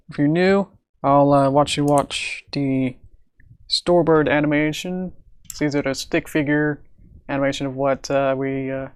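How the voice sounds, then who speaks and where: A man live-streaming from home at his computer, talking in a rambling, stop-start way with a raspy voice while coming down with a cold. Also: a little high, no echo. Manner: rambling, with many fillers and stammered restarts. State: coming down with a cold, sore throat. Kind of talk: casual live-stream chat.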